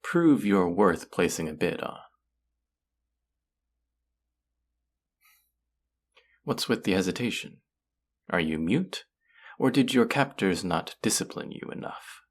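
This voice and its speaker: A man playing a haughty, cruel yet curious alien buyer in an audio roleplay, talking down to the listener in a deliberate, condescending murmur. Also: low-pitched, expressive. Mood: amused, intrigued.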